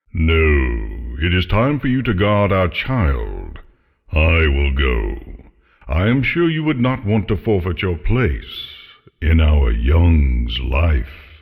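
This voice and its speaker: A man's put-on character voice, very deep and low, with very wide pitch swings at a very slow pace. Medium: read story.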